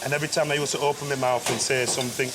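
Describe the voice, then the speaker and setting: A man's voice: medium pitch, flat delivery, racing. A man working as a restaurant chef, telling casual anecdotes while he cooks in the kitchen. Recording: noisy kitchen, sizzling and water.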